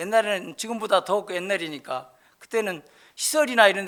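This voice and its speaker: Speaking in a raised, projected voice, a man talks at a fairly quick pace with a high pitch, a bright, sharp tone and lively intonation. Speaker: guest speaker at church, care facility worker. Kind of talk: sermon with personal testimony. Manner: colloquial, storytelling with fillers.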